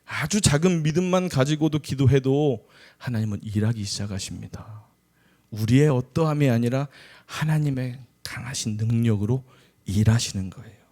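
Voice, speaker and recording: Man preaching a lively sermon. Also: mid-range voice, normal speed. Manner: conversational preaching with humorous asides. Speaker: associate pastor.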